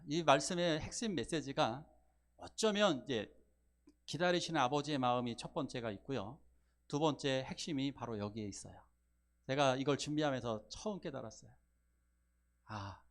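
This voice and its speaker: A middle-aged man preaching a Sunday sermon as pastor, swinging from loud emphatic rises to quiet low asides and acting out family members' words. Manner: acts out family members' lines in quoted speech.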